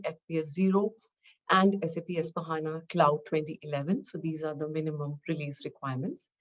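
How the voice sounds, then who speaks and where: A woman with a fairly low voice delivers a scripted technical presentation. She explains step by step in short, measured phrases, as a presenter walking through a product. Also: dull audio.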